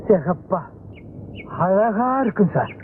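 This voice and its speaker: A simple-minded villager who rambles innocently as he makes a complaint. His voice is high, and the sound is thin and phone-like with a faint hiss, like an old film. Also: lively intonation, slow. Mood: naive. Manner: naive and rambling. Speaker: villager reporting a lost cow.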